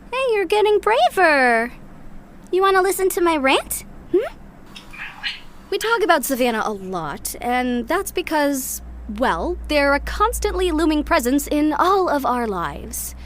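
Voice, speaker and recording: A woman's voice: high-pitched, a little hiss or hum. An actress playing a blunt, irritated young rebel woman in an audio drama, recording a log in a dry, sardonic way. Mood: coaxing, then sardonic, determined.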